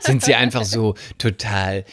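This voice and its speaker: A man co-hosting a casual comedic chat, telling stories and acting out quotes in a high voice. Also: measured pace. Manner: animated storyteller, acts out quotes in high voice.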